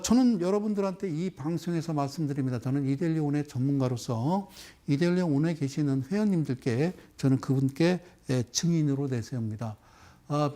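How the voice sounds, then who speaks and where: A male stock market expert lectures on television with an emphatic, animated delivery. His voice sits a little high for a man yet sounds mellow and warm. He keeps pausing to check that his audience follows, firing off short rhetorical questions. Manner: animated, with sudden exclamations and chanted sequences.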